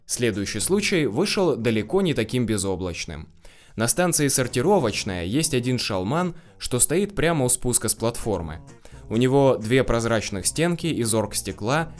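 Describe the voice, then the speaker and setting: Lively male audiobook narrator. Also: medium pitch, normal speed, soft background music. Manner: wry, slangy storytelling. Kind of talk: first-person storytelling narration.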